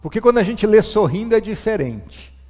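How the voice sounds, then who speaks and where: A male pastor preaching a sermon, urging his congregation and swinging from loud to soft. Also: high-pitched, sing-song, moderate pace, in a large hall.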